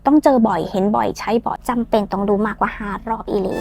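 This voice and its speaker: A woman from Thailand, speaking, teaches English phrases in a playful, teasing way and drills slow, drawn-out pronunciation. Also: medium pitch, gravelly, darkish tone, faint music behind. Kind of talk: lesson with repeat-after-me drills.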